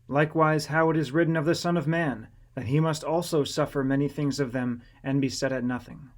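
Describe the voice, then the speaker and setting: A man's voice: on the high side, lightly acted. A man voicing a solemn, stern teacher and healer with a commanding manner in a scripture audiobook.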